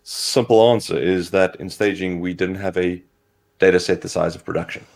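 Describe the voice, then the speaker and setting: Hoarse man explaining tech stories. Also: deep voice, steady tone, moderate pace. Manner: explanatory, rambling with fillers. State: hoarse from a cold. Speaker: co-host. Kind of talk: casual tech livestream talk.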